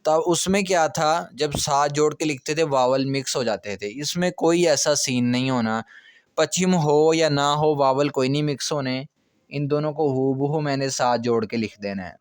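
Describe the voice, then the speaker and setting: Man teaching grammar, smooth clear voice. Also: on the high side, moderate pace, dry recording, studio quality. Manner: patient, repeats checks like "okay" often. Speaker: language teacher. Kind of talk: explanatory grammar lecture.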